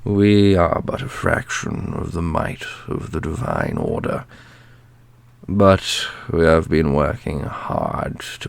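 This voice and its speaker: A man playing an ancient divine grand master, a solemn exiled leader who speaks formally and deliberately in a fantasy audio roleplay. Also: low voice, vocal fry, heavily acted.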